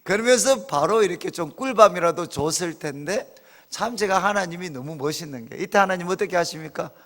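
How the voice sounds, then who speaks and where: A man's voice: high voice, lively intonation, fairly quick, a bit bright. A male pastor preaching a sermon in a church, telling stories animatedly with acted quotes. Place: church sanctuary. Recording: reverberant church hall.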